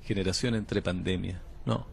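A man playing a calm, cryptic time traveler. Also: low-pitched, vocal fry, a little hiss or hum. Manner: slow, measured, unsettlingly calm. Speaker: patient under interview. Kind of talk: audio drama acting.

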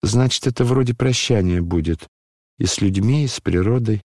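Man doing a hoarse dying young guy, quiet tired ironic, low and soft, dry close sound. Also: moderate pace, dry recording, lightly acted. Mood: weary ironic. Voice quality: hoarse, near whisper.

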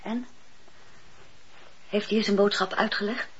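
Slow, pleading, tender wife. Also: female voice, mid-range voice, steady tone, husky. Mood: coaxing. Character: tender, pleading, fervent wife, earnest and fearful. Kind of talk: Dutch radio play acting. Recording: dull, noisy old radio play tape.

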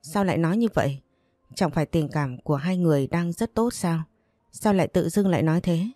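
A woman reading an audiobook and voicing a young female friend who is protective and quick to anger on her friend's behalf. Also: on the low side, warm tone, no echo, clean studio sound, natural voice. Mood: indignant. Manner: consoling, then outraged.

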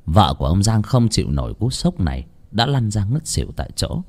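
Male horror storyteller, dramatic and animated delivery. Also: on the low side, brisk. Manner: lively, dramatic reading.

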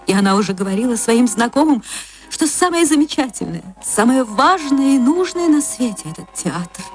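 Gentle higher-voiced woman narrator. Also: big pitch swings, moderate pace, soft background music. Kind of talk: literary audiobook reading.

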